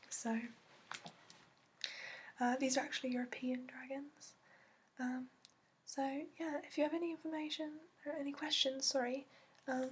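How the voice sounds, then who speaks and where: A woman voicing a patient dragon expert in an ASMR roleplay, soft-spoken and hesitant, with a put-on accent. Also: sits high, background noise, close to an everyday voice. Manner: hesitant, gentle, meandering explanations with frequent fillers. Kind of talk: ASMR roleplay, hushed and improvised.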